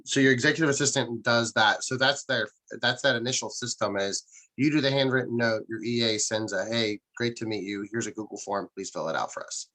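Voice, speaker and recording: A man's voice: medium pitch, fairly quick, pushed and bright, low-quality recording. A man interviewing a guest casually, informal in manner, recapping and asking questions as host.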